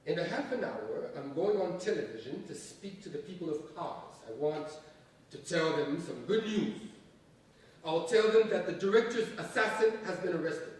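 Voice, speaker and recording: A man in a staged reading playing a domineering, menacing secularist strongman, emphatic and theatrical, with deliberate pauses. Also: fairly high pitch, lively intonation, darkish tone, distant mic, close to an everyday voice. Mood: forceful, scornful. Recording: echoey stage from afar, faint noise.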